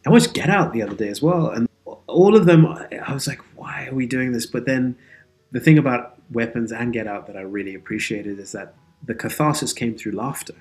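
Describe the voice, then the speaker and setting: A man's voice: mid-range voice, lively intonation, fairly quick, darkish tone, faint music behind. A man speaking earnestly and reflectively as a guest in an interview, explaining his ideas in a thoughtful, philosophical way. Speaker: interview guest, audio drama creator and actor.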